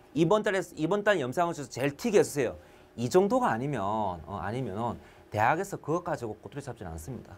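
A man's fairly high voice with vocal fry, fairly quick delivery, big swings in loudness and very wide pitch swings. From South Korea. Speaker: admissions interview prep teacher; teacher. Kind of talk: online lecture. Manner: casual, repetitive filler-heavy. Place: studio. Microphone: lapel.

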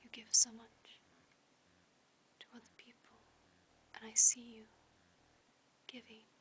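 Someone whispers in a gentle tone at a fairly slow pace. Long pauses come often. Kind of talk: ASMR comforting roleplay talk to the listener. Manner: soft-spoken, gentle, slow.

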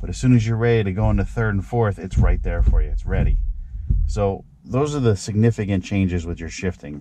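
A man talks with ordinary pitch variation. The sound is dry with no echo, and there is noticeable background noise. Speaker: car owner reviewing part. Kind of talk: product review talk. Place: car. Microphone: phone near.

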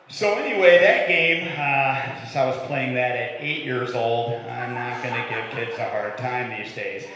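A man with a fairly high pitch and lively intonation talks at a fairly slow pace amid strong room echo. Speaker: stand-up comedian. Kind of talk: stand-up. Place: stage.

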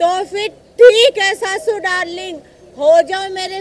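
Using an extremely high pitch with ordinary pitch variation, a woman speaks at a very slow pace. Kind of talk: acted comedy dialogue. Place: waterside.

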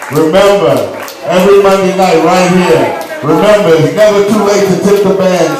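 There is noticeable background noise and strong room echo as a man speaks at a moderate pace with a high pitch. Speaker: host of a jam night. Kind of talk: stage announcement to the audience. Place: bar.

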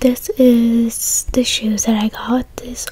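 Soft-spoken with an American accent, a woman talks at a fairly high pitch in monotone, flat intonation, the sound dry with no echo. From Florida, USA. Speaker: ASMR YouTuber. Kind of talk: ASMR soft-spoken unboxing haul, casual talk to camera. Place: home room. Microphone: studio mic.

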